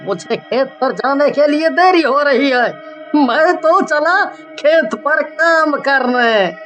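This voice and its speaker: A mocking cartoon husband who can't stop laughing at his wife, played by a woman. He speaks very slowly in a high, bright tone. Soft music sits behind him. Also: lively intonation, full character voice. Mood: dismissive. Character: amused village husband, teasing.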